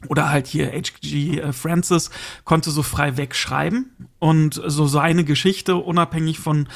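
Male podcast host, highish pitch, very creaky, casual and enthusiastic, halting delivery with self-corrections. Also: steady tone. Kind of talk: casual chat about audio dramas.

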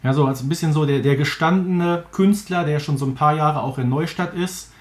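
A man with a fairly high voice speaks as a podcast co-host. He puts his questions and comments in an informal, conversational interview style. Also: brisk, a little mellow.

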